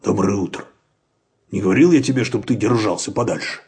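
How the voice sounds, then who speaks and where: A man voicing a grudging male guard dog in a storybook, talking slowly and grumbling. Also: fairly low pitch, a little mellow, husky, pitched below the performer's own voice. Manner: slow, grumbling. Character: gruff grudging male watchdog.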